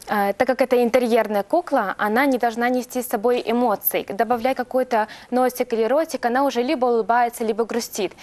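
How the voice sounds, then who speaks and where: Speaking at a fairly quick pace, a woman with a high voice keeps her intonation fairly even. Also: very even loudness. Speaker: doll maker; guest. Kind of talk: TV interview. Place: studio.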